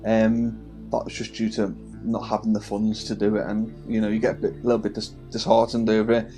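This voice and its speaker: Fairly quick and on the low side, this man's voice is creaky and dark, delivered completely flat, with soft music playing behind. He's a thirty-something from the Wirral, England, with a Scouse twang, casually and amiably hosting a hobby channel to camera amid frequent fillers and restarts.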